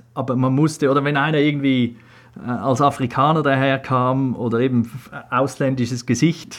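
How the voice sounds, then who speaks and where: A man speaks at a moderate pace in a medium pitch with fairly even intonation, in a plain, everyday voice. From Switzerland. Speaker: documentary filmmaker. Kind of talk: interview.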